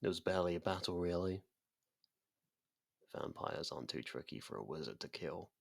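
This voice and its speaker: Male actor as ancient domineering vampire, low-pitched, breathy, seductive, deliberate, theatrical ASMR monologue, close dry sound. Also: expressive, no room sound, exaggerated voice. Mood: cool, detached. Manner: slow, deliberate, theatrical, often dropping to a whisper.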